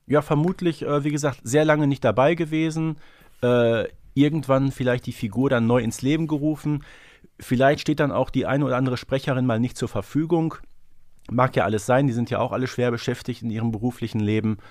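A man's voice: medium pitch, steady tone, brisk, a little mellow, no echo, clean studio sound. A man speaking conversationally as a podcast host in a fan discussion.

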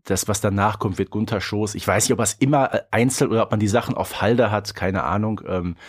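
A man's voice: on the low side, fast. A man from Germany co-hosting a podcast, chatting casually and colloquially with frequent tag questions. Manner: colloquial, often adds "ne" as a tag. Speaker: podcast co-host.

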